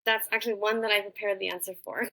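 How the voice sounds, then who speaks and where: A young adult woman talking thoughtfully as a podcast guest, pausing often with fillers and restarts. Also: medium pitch, fairly even intonation, creaky, pushed and bright. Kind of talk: casual interview conversation.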